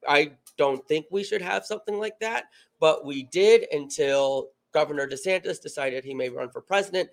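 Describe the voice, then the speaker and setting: A young man with a somewhat high voice co-hosts a relaxed political chat from a bar table. He talks in an easygoing way and keeps dropping in quick "yeah"s and agreements while his co-host speaks. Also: gravelly. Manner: chatty, chimes in with quick agreements.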